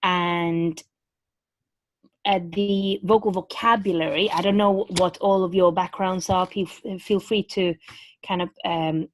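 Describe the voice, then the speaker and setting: A woman's voice: on the low side, steady tone, slow, no echo. Norwegian lady vocal coach on a video call, chatty, lots of ums, dry close sound. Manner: chatty, many fillers and restarts. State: speaking around a bitten tongue. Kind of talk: webinar teaching.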